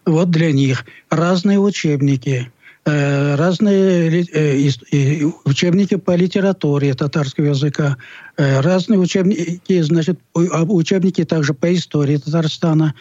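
A man with a fairly high, very soft-edged, mellow voice gives explanatory interview answers. He speaks earnestly and haltingly, correcting himself as he goes. The recording is dry and somewhat muffled. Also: no echo. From Tatarstan, Russia. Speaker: library representative, interview guest. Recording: dull, muffled lo-fi audio.

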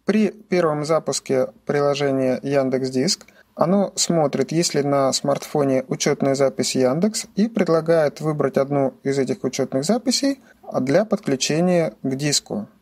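A man's voice: a little high, normal speed, a little mellow. A man giving scripted instructional narration as a tutorial presenter, explaining things methodically, step by step.

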